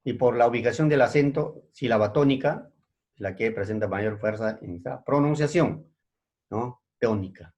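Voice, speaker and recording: A man's voice: mid-range voice, moderate pace, darkish tone, lo-fi sound. A man teaching a secondary school language class, who repeats each point and keeps checking in with his students. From Peru. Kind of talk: recorded language lesson.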